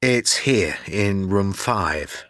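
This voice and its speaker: A man voices a polite receptionist. His low voice moves lively up and down. He speaks slowly and in a measured way, in a dry recording. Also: no echo, exaggerated voice.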